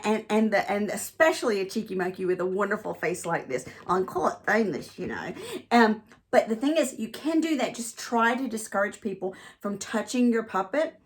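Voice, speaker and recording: A woman ventriloquist and comedian talking casually in a chatty, rambling way as she demonstrates on a vlog. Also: a little high.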